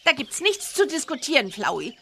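A woman's voice: high voice, very animated, fairly quick, bright, forceful tone, exaggerated voice. A woman playing a decisive, sensible teenage girl witch in a children's audio drama. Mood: decisive, firm.

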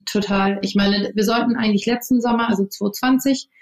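A woman's voice: mid-range voice, fairly even intonation, fast talker. Woman founder in her thirties, first language English; thoughtful, hesitant delivery with ums and restarts; room echo on the track. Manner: thoughtful, many fillers and restarts. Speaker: interview guest, company founder. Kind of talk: casual interview talk. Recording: roomy echo.

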